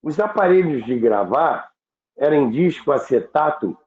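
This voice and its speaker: A Brazilian man explaining things informally as an interview guest, halting and repeating words, with rhetorical questions. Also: a little high, animated. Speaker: interview guest on radio history. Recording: phone-like thin sound, echoey room.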